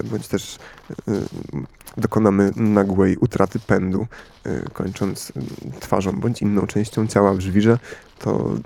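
A man hosting a radio talk show, musing slowly with many hesitations and fillers. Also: fairly low pitch, vocal fry, dark tone. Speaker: radio host.

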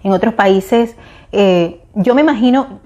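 A middle-aged Venezuelan woman speaks in a relaxed, unscripted monologue, pausing and restarting as she gathers her thoughts. Her pitch sits in an ordinary middle range, and her tone stays conversational and thoughtful. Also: dull audio. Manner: reflective, searching for words with frequent restarts. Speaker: vlogger. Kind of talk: casual monologue.

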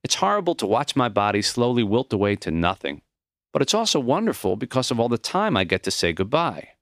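A man voicing a gentle, reflective, dying elderly teacher in an audiobook, speaking earnestly and plainly in measured phrases. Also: medium pitch, sing-song, no room sound, studio quality, natural voice. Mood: gently reflective. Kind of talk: audiobook character voice.

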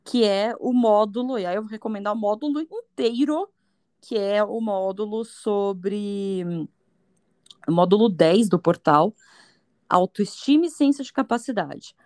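A woman hosts a podcast about raising children. She explains points calmly in a mid-range voice. The recording is close and dry. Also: medium pitch, unhurried, no room sound. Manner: explaining and advising. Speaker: podcast host, child-rearing educator. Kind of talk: casual explanatory chat.

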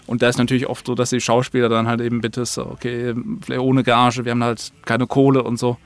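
A man's voice: medium pitch, monotone, fast talker, no room sound. A man chatting casually as an interview guest, informal, slangy and a bit rambling. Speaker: interview guest, audio drama maker. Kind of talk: casual chat.

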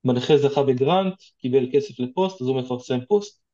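A man's voice: mid-range voice, mellow, highs cut off. A man with an Israeli accent giving informal, direct advice as an interview guest, explaining things conversationally.

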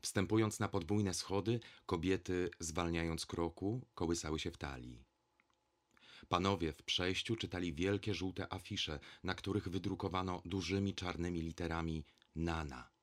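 A male narrator reads a novel aloud in a measured, deliberate way. His voice is deep and low. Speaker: audiobook narrator. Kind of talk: scripted narration.

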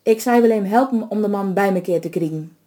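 A woman's voice: medium pitch, fairly quick, dark tone, natural voice. A woman doing a plain-spoken village baker. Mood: matter-of-fact. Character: village baker, practical and helpful man.

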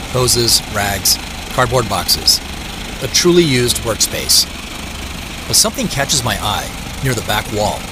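Man playing an earnest, lively-pitched drama narrator. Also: background noise, lightly acted. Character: earnest, searching male tech CEO, narrating his own story. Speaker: lead actor and narrator. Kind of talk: scripted first-person audio drama narration. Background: music bed.

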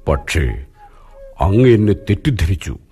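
A wise old royal counsellor in a radio play, his voice very deep and unhurried. He speaks gravely and sternly. Soft music drifts faintly behind him. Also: very animated, exaggerated voice. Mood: admonishing. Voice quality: grave, measured, admonishing. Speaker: radio drama actor. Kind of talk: 1980s Malayalam radio drama acting.

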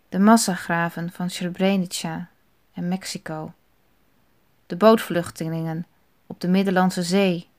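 A woman speaks a slow, reflective meditation in a quiet, thoughtful voice. At times she drops almost to a whisper. Her pitch sits in a middle range.

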